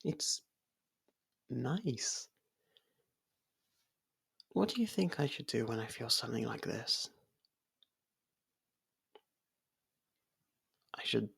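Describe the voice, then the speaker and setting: A performer as a slow, creaky, breathy faerie. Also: mid-range voice, full character voice. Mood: tender, smitten, then anxious yearning. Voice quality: breathy, creaky, half-whispered. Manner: hesitant, halting, gentle. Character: soft-spoken, lovestruck young faerie royal, shy, possessive. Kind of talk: ASMR roleplay, intimate scripted acting.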